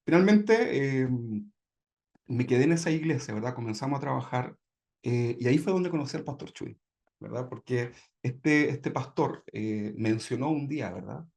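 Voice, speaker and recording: A man's voice: medium pitch, lively intonation, moderate pace, vocal fry, a little mellow. A man from Chile sharing his personal testimony in a conversational way, often checking in with tag questions. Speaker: church member giving testimony.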